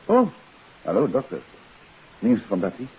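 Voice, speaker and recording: Confident gentleman sleuth, old radio play, pitch moves a lot, dull hissy recording. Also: wildly swooping pitch, unhurried, breathy edge, heavily acted. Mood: businesslike. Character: calm, confident gentleman amateur detective. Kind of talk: 1950s radio drama acting.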